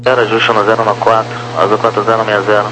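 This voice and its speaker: A man's voice: fairly low pitch, little pitch movement, fast talker. A Brazilian man giving procedural, number-heavy instructions as an air traffic controller over the radio. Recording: noisy humming radio channel.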